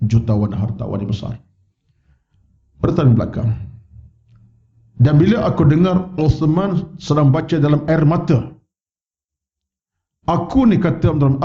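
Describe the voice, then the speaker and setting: Malaysian Malay preacher telling a story. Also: male voice, highs cut off. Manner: storytelling, acts out quoted voices with rising pitch. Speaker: religious teacher. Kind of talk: mosque lecture. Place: mosque. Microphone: wireless microphone.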